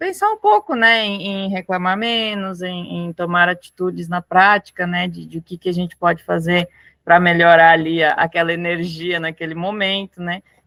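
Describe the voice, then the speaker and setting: A calm, bright, sharp tone comes at a fairly slow pace, with a dry, close sound with no echo. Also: woman. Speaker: craft channel host. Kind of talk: casual chat.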